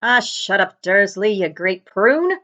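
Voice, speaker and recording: A woman voicing a friendly, gruff, hungry giant man from a storybook, with rustic, ungrammatical speech. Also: medium pitch, animated, slow, a bit bright, highs cut off. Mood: gruff, mocking.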